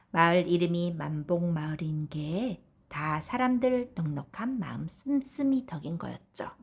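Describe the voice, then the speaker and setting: A woman narrating a traditional folktale as a gentle bedtime story for children. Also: on the low side, gravelly, slightly rough. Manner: soft storytelling tone addressed to children. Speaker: audiobook narrator.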